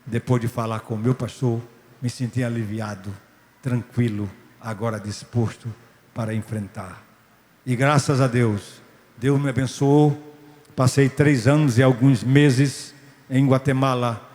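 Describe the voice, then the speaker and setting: Man, preaching testimony, animated restarts, long church reverb. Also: mid-range voice, measured pace. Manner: storytelling with restarts and rising exclamations. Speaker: pastor, former missionary. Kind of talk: testimony sermon. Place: large church hall.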